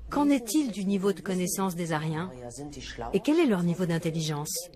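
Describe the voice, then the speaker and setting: A middle-aged woman presenting a documentary, asking dry, probing questions with quiet irony. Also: lowish voice, animated, normal speed, crowd noise. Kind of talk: documentary interview and narration.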